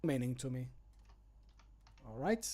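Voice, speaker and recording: This man in his thirties, a streamer who voice-acts as a hobby, speaks slowly but with great animation in a medium-pitched, slightly mellow voice. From a small room at home, he jokes casually into a close desk microphone, teasing himself and making playful noises while working.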